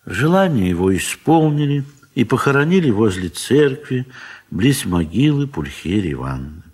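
A man narrating a literary audio play in an expressive, measured theatrical manner with deliberate pauses. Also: mid-range voice, slightly rough. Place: recording studio.

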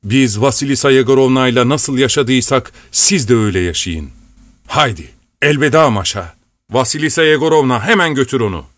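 A man's voice: mid-range voice, expressive, brisk, a bit bright, no echo, natural voice. Stern old fort commander, voiced by a male audiobook reader, fatherly, raised voice, dry. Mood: tender farewell. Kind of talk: audiobook character voice.

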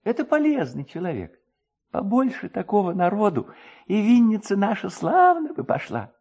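Guy doing a chatty superstitious distiller from a storybook, high anxious voice, very animated. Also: moderate pace, breathy edge, heavily acted. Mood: placating. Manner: anxious, pleading, garrulous. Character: excitable, superstitious, talkative village distiller.

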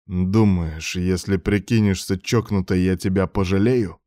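A man's voice: low voice, steady tone, unhurried, warm tone, no echo, clean studio sound. A man voicing a cold, vengeful man who speaks with clipped, contemptuous menace in an audiobook. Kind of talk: audiobook character voice.

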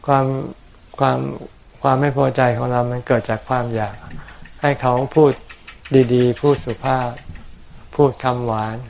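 A Buddhist monk calmly answering questions from his followers in plain words, with homely examples and touches of dry humor. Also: mid-range voice, measured pace, gravelly. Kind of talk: dharma talk answering questions.

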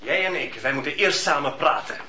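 An actor playing a stern, suspicious husband with a formal, sardonic manner in a radio play. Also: male voice, on the high side, animated, a little fast, crowd noise, natural voice. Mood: angry, accusing. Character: stern, suspicious husband, dignified master of the house. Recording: dull lo-fi radio play recording.

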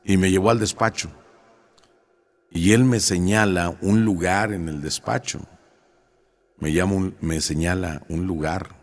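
A man's voice: low-pitched, fairly even intonation, measured pace, pauses often. A middle-aged man, telling stories conversationally and recounting talks with people, with frequent fillers. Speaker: storyteller. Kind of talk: casual storytelling to an audience.

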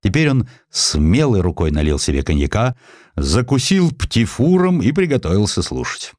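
A man narrating a historical sketch as an audiobook, telling it expressively and slowing down for quoted lines. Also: no room sound, studio quality. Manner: expressive storytelling, voices quotes with shifts of pitch and slowing down.

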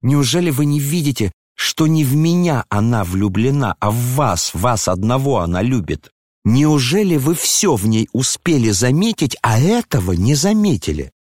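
A man's voice: medium pitch, very animated, normal speed, darkish tone, dry recording, clean studio sound. A man reading an audiobook, voicing an agitated, proud young woman who questions and reproaches urgently.

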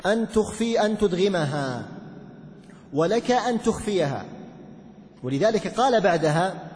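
A male religious teacher giving a classroom lesson, explaining step by step, quizzing his students and chanting verses slowly. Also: sits high, animated, a little mellow, long reverb tail. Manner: recites verses in a slow chant.

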